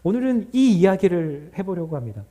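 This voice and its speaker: A middle-aged male pastor preaching in a church, his voice sitting a little high for a man yet dark and mellow in tone. He speaks conversationally and tells his stories with frequent hesitant fillers. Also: sing-song, fairly quick. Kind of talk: sermon with prayer. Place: church sanctuary.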